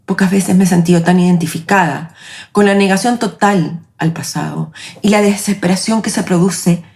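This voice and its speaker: A woman in her late forties with a Chilean accent, hosting her own podcast in a reflective, measured, personal narration. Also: on the low side, vocal fry, a little mellow. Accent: Chilean Spanish. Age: 40s. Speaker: podcast host.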